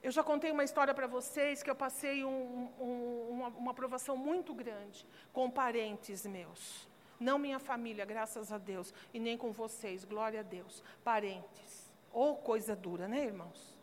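A woman pastor delivers a testimony sermon in a high voice. She drops to hushed asides, then builds to loud, emphatic peaks. The long reverb of a church hall trails her words. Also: moderate pace, slight background noise.

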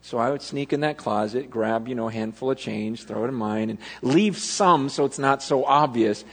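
A man's voice: medium pitch, normal speed, fairly bright tone, husky. A man preaching a sermon as pastor, telling personal stories in a loose, self-interrupting way that loses its thread and circles back. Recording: long reverb of a large hall.

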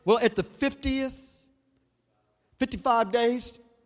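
High-voiced male pastor, fervent sung-and-shouted sermon style, long reverb of a church. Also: slow pace. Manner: calls on the congregation for responses. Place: church sanctuary.

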